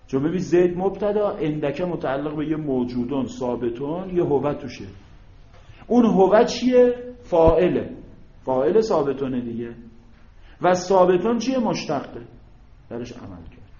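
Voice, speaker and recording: A man's voice: on the high side, big pitch swings, warm tone. Man teaching in an echoey classroom. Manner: explains step by step, prompting students to fill in words; asks rhetorical check questions. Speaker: Arabic grammar teacher. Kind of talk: classroom lecture. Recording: roomy, dull lo-fi classroom recording.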